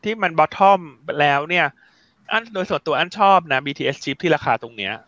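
A man hosting a stock market chat, talking in a quick, chatty, teasing way. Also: a little high, animated, pushed and bright, no room sound, highs cut off. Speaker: stock market show host.

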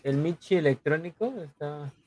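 A man with a Mexican accent hosting a casual chat in slangy, colloquial street talk, halting and often repeating himself. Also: fairly high pitch, a little mellow. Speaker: podcast host.

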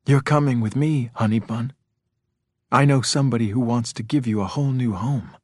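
A taunting male intruder , played by a male narrator in a thriller audiobook. He is smug and menacing, mockingly sweet, in a medium-pitched voice recorded very dry. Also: normal speed, darkish tone, no room sound, natural voice. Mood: creepy sweet. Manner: mocking, sing-song endearments. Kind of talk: audiobook villain acting.

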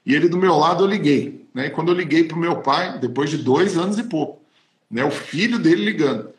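A man's voice: fairly high pitch, a little fast. A man, a pastor, telling a personal testimony in an emotional, emphatic way. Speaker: pastor and podcast host. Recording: roomy echo.

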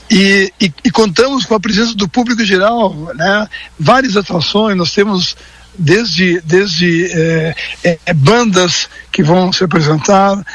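Man, high voice, over a phone line, radio call-in guest, halting, lots of fillers. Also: a bit bright. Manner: hesitant, many fillers and restarts. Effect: heard over a phone line. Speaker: guest, event organizer calling in. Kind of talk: live radio phone-in chat.

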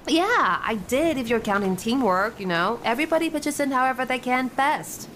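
Woman, higher-pitched, breezy casual improvising, tabletop game player, faint background ambience. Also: animated, normal speed, a bit bright, slight background noise.

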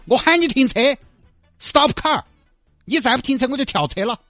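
A man's voice: high-pitched, big pitch swings, brisk, fairly bright tone, no echo, faint music behind, pitched above the performer's own voice, heavily acted. A man voicing a hysterical young woman, a melodramatic girlfriend with a Sichuanese accent who complains in a whiny, theatrical way. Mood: shrill.

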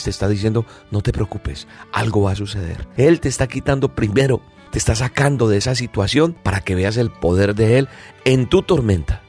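A man's voice: lowish voice, darkish tone. A man giving a devotional reflection on a Bible passage, speaking earnestly and addressing the listener directly. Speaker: preacher.

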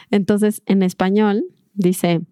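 A woman's voice: mid-range voice, steady tone, drawn-out words, dark tone, no echo, studio quality. A middle-aged woman gives a reflective, earnest talk to an audience about mindful parenting, acting out little dialogues as she goes.

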